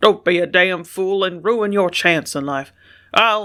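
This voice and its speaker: A raspy, gruff, female-sounding put-on character voice at a middle pitch, spoken at a fairly slow pace in a very clean recording with a silent background. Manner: gruff, pleading, thick with anger.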